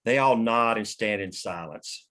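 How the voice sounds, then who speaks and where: Casting: male script narrator, fairly low voice, reading scene headings and action. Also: unhurried, pushed and bright. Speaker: narrator reading stage directions. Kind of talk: scripted narration at a table read.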